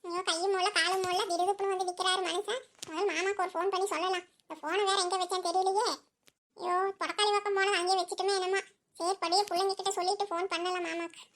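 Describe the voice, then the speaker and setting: Cartoon auntie voiced by a woman: very high, quick, fussy chatterbox. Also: flat delivery, a bit bright. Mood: fussing, welcoming. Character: chatty middle-aged village woman, elder sister-in-law. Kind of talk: cartoon voice acting.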